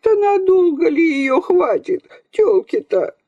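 A woman reading aloud, voicing a shrill old village grandmother who scolds and wails. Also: sing-song, slow pace, darkish tone, no room sound, dull audio, exaggerated voice. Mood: scolding. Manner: shrill scolding and sing-song lamenting.

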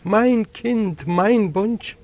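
A man's voice: high voice, a little mellow, no room sound, heavily acted. A man reading a tender old heavenly judge. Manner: slow, tender, solemn reading. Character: gentle old male heavenly court judge. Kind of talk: audiobook storytelling. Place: library recording room.

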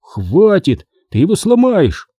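A man's voice: sits high, wildly swooping pitch, slow, dark tone, husky, no echo, lo-fi sound, pitched above the performer's own voice, heavily acted. A man voicing a level-headed, cautious boy in a storybook reading.

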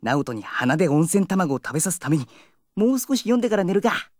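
A woman playing a cheerful, cocky high school boy with a playful, theatrical way of talking, in an anime-style audio drama. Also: sing-song, brisk, a little mellow. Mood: musing.

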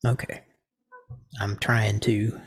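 A man hosting a casual comedy talk show, rambling with deadpan crude jokes. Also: fairly low pitch, takes it slowly, breathy edge, no echo. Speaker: host.

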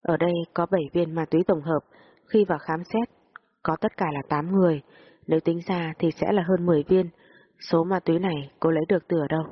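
Husky low-voiced woman narrating a story. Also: muffled recording. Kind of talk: first-person audio story narration.

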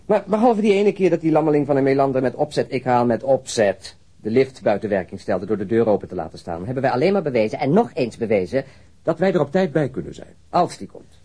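An actor playing a blunt, impatient police detective in a radio drama, speaking in a gruff, colloquial way. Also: male voice, medium pitch, expressive, fast, warm tone. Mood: impatient, confident.

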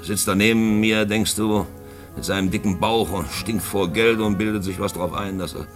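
An actor in a German radio play playing a shady, boastful, sentimental black-market profiteer, expressive and swinging between musing and outbursts. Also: male voice, fairly low pitch, normal speed, soft background music, lightly acted. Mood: maudlin, boastful. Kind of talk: German radio play acting with first-person narration.

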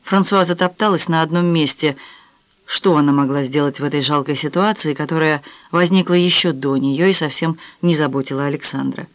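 A woman narrating an audiobook novel in a measured, even reading style. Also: low voice, no echo. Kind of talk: scripted narration.

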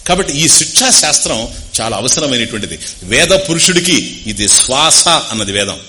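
A man with a Telugu accent giving a discourse on scripture, explaining Sanskrit terms slowly and repeating phrases. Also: mid-range voice, big pitch swings, bright, forceful tone. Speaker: spiritual teacher.

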